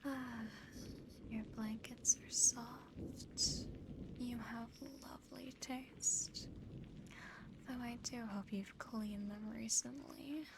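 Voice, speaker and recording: A woman playing a seductive, possessive female sleep paralysis demon in a teasing, breathy ASMR whisper, close to the microphone. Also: fairly high pitch, steady tone, heavy background noise, full character voice. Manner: slow, breathy whispering, teasing, lingering pauses.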